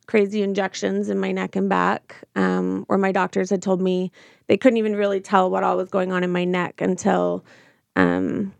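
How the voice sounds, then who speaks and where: A woman giving a personal account in an interview. Her voice has a lot of vocal fry and sounds close and dry. She talks informally and haltingly, restarting phrases as she goes. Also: medium pitch, no room sound. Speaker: interview guest.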